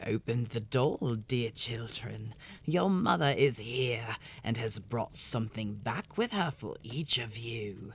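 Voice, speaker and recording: This is a put-on character voice with a low pitch. It moves at a fairly slow pace. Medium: read story.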